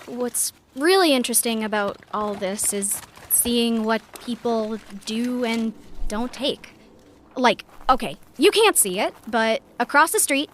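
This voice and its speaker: A woman's voice: on the high side, a bit bright. An actress playing a thoughtful young woman in an audio drama, giving a conversational, reflective walking tour of her community with hesitant asides. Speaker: narrator character.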